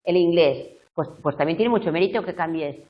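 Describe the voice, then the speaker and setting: A woman's voice: fairly low pitch, fairly quick. Woman tutor, muffled lecture. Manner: explanatory, checks in often with "¿eh?" and "¿de acuerdo?". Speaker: university tutor. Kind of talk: live video tutorial lecture. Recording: muffled lo-fi classroom recording.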